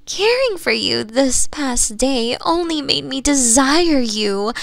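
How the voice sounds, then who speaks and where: A woman voicing a doting, possessive nine-tailed fox woman in an ASMR roleplay, cooing and teasing in a breathy voice that often drops to whispers. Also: high-pitched, lively intonation, no room sound, heavily acted. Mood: possessive, enamored. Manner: cooing, teasing, slow sultry endearments with giggles.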